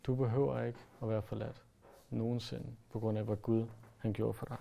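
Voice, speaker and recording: A male preacher delivers an earnest sermon. His voice is gravelly and mellow, and he pushes some phrases hard before easing into quiet, softer lines. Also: mid-range voice, little pitch movement. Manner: earnest, rises to emphatic then drops to soft.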